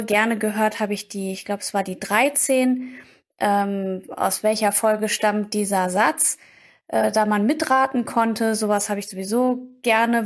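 Woman about 34, normal pitch, chatty fan voice message, sounds enthusiastic. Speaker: listener sending a voice message. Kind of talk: casual spoken fan message.

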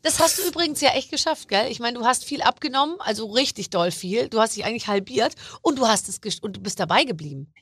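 A woman in her forties hosting a podcast, chatting casually and lively, teasing her guest. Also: a little high, breathy edge, dry recording. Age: 40s. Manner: lively, teasing, quick to laugh. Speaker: podcast host. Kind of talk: casual interview chat.

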